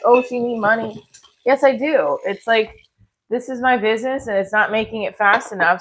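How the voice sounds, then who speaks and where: Speaking through a blocked-up nose, this middle-aged live stream host talks casually and frankly from her home, wandering from point to point with blunt remarks. She performs and creates comedy, and her mid-range voice has a fairly bright tone. Noise and clicks are clearly audible in the home recording.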